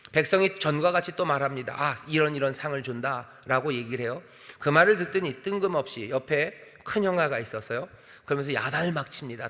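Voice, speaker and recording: A male pastor preaching a sermon with lively delivery, acting out the quoted lines. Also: on the high side. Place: large church sanctuary. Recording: church sanctuary with long reverb.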